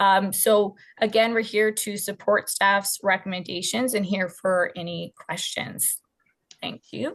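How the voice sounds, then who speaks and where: A medium-pitched woman at a fairly slow pace. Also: fairly even intonation. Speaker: heritage consultant. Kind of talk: public meeting delegation. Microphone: too quiet.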